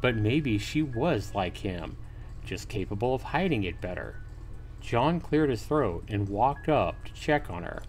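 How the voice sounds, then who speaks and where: A man's voice: on the low side, big pitch swings, measured pace, darkish tone, a little hiss or hum. A man hosting a livestream, reading a visual novel aloud as a narrator with casual asides. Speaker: livestream host. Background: faint music.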